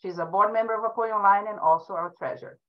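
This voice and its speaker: A woman's voice: medium pitch, fairly quick. Female webinar moderator, middle-aged, mid-range voice, somewhat dull video-call sound. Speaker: webinar host. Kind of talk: bilingual welcome and moderating.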